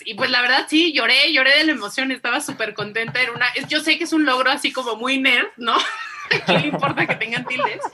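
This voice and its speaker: A woman's voice: sits high, pushed and bright, slight background noise. A woman with a Mexican Spanish accent, a podcast guest explaining spelling rules in casual chat, laughing often and ending phrases with tag questions.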